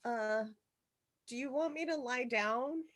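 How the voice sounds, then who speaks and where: A woman reading the part of an awkward, anxious but stubborn young teenage schoolgirl in a screenplay table read, halting and apologetic. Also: high-pitched. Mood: nervous, meek.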